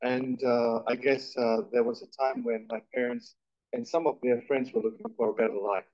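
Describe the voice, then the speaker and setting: A man's voice: medium pitch, fairly even intonation, normal speed, darkish tone. A middle-aged man from Malaysia talks through his story in a chatty, self-deprecating way, often restarting his sentences. The recording sounds muffled and lo-fi. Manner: chatty, self-deprecating, many repeated starts. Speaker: guest speaker. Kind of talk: conversational interview on stage. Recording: dull lo-fi recording.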